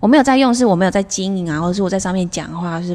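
With ordinary pitch variation, a woman talks at a fairly low pitch. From Taiwan, Taichung. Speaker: podcast co-host. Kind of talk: casual chat. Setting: recording on location in a basement.

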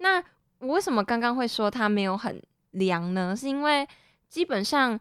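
A woman's voice with very wide pitch swings at a moderate pace, on a very clean recording with a silent background. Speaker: student podcast co-host. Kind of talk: casual chat.

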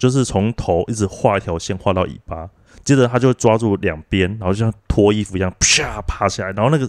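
Fairly quick and animated, a man with a fairly low pitch and ordinary pitch variation is heard in a dry, close sound with no echo. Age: 30s. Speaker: podcast co-host. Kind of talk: casual chat. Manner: animated, laughs often.

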